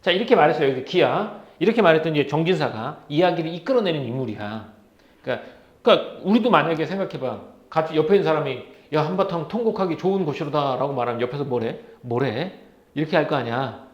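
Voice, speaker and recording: A male teacher with a fairly high, animated voice gives a literature lecture at a quick pace. He fires questions at his students and answers them himself. The lecture recording is roomy and slightly dull.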